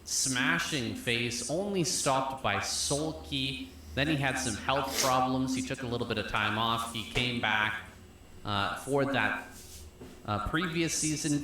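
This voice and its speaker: A man's voice: mid-range voice, unhurried, a little hiss or hum. A man commentating a competitive match live, building hype and narrating the action. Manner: energetic, hyping up the match. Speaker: esports commentator. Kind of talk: play-by-play commentary. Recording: very roomy broadcast audio with music.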